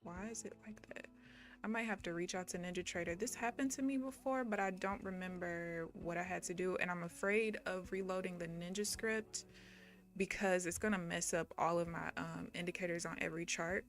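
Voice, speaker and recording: A woman's voice: fairly low pitch, brisk. A young woman from Missouri chatting casually while she trades live, talking to her viewers and laughing often. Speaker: day trading livestreamer. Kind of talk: casual live-stream commentary.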